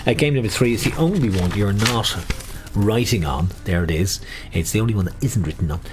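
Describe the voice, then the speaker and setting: A middle-aged Irish man hosts as a bingo caller, his slightly low voice swinging widely as he sings out the numbers and chats casually between calls. Light music plays behind him. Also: lively intonation, brisk. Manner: sing-song number calls with repeats and rhyming nicknames. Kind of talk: bingo calling with casual chat.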